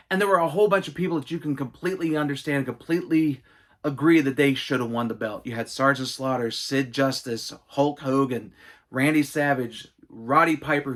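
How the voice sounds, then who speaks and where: A middle-aged man with a slightly high-pitched voice talks through a casual Q&A. He tells his stories with enthusiasm and throws in animated asides. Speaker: gaming and wrestling channel host. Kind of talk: casual Q&A monologue.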